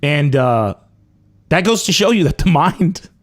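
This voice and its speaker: A young adult man from Lebanon hosting a comedy podcast, delivering a mock-dramatic comic monologue. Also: unhurried. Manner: animated, mock-dramatic swings in pitch and pace.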